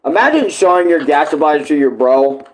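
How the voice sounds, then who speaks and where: A man's voice: on the high side, sing-song, moderate pace, low-quality recording. A man giving casual, rambling reaction commentary full of slang and swearing, like a host talking to friends. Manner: rambling, informal, often addressing others as bro or dude.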